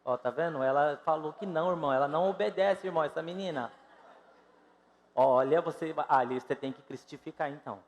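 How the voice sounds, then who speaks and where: Man, 50s, Brazilian accent, pastor, fairly high voice, emphatic preaching, long church reverb. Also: brisk, a little hiss or hum. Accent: Brazilian Portuguese. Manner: emphatic, rises and drops sharply in loudness, addresses congregation directly. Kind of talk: sermon. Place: church sanctuary.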